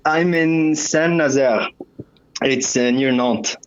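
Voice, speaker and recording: A young man from Lebanon calling in over the phone, relaxed and quick to laugh. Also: mid-range voice, highs cut off. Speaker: caller. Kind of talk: casual chat.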